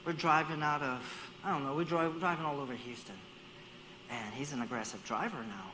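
A man's voice: fairly high pitch, fairly quick, noisy background. A man preaching a sermon as a guest speaker at a church service. He talks animatedly, acts out dialogue in other voices and repeats words while he gathers his thoughts.

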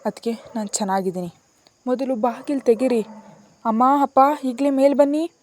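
A woman's voice: a little high, fairly even intonation, moderate pace, dark tone, natural voice. A woman reading a storybook aloud and voicing an anxious young sister-in-law who begs and pleads urgently. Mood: pleading.

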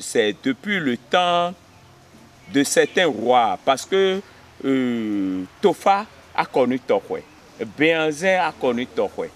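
A man in his fifties from Benin, a history teacher, telling village history in an outdoor interview, pausing on fillers and often checking he is understood. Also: mid-range voice, big pitch swings. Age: 50s. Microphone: camera at close range.

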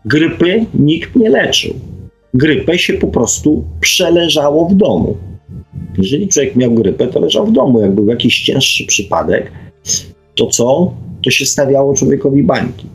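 A man's voice: medium pitch, expressive, normal speed, soft background music, low-quality recording. A middle-aged man from Poland hosting an unscripted radio talk in a reflective, hesitant manner, often ending phrases with a questioning tag. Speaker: radio host. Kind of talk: unscripted radio monologue, reflecting and reading listener comments.

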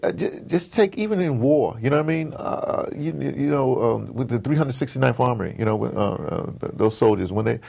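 A man's voice: medium pitch, fairly quick, gravelly, hardly any pauses, darkish tone. A middle-aged or older man in casual conversation as an interview guest, emphatic and rambling with slangy turns of phrase. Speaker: interview guest, audio drama producer.

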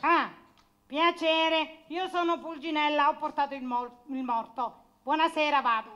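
A performer voicing a cheeky, clownish male trickster puppet in a squeaky, shrill voice, with excitable repeated exclamations. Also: a little slow, dull audio. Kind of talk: Italian puppet theatre slapstick.

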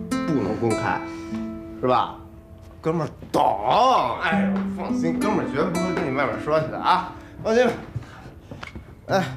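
A rambling drunk divorced guy. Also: mid-range voice. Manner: slurred, drawn-out drunken rambling with giggles. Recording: roomy with loud background music.

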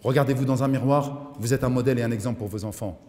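A middle-aged man, an imam, giving an animated mosque lecture and mixing in street slang. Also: medium pitch, fast talker. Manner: animated preaching, mixes in street slang, voices his son and inner voices. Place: mosque hall. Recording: echoey hall.

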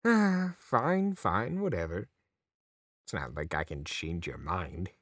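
A man's voice: sing-song, takes it slowly, fairly bright tone, no echo, heavily acted. An actor playing Discord, a snarky, theatrical male chaos spirit in a fan radio drama. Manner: sarcastic, theatrical swings in pitch.

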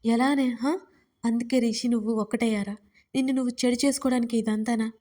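A woman's voice: fairly high pitch, fairly even intonation, a little fast, natural voice. Woman voicing a distraught, tearful young woman. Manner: tearful, pleading, shouting. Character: distraught young woman, pleading and scolding her friend.

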